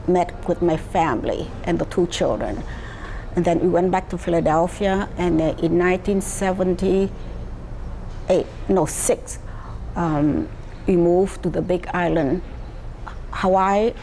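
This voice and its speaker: An older woman from Vietnam with a Vietnamese accent, telling her life story slowly, with many pauses and fillers. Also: fairly low pitch, dark tone, a little hiss or hum. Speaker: interviewee.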